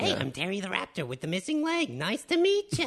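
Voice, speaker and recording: A man's put-on character voice, high-pitched, very fast, with very wide pitch swings. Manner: dweeby, friendly.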